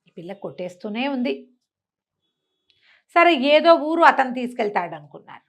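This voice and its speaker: A woman telling a village tale in a conversational way, animated and chatty with explaining asides. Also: sits high, normal speed. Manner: animated retelling, acting out characters' remarks, explaining asides to a co-host. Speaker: storyteller. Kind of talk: conversational oral storytelling of a village folk tale.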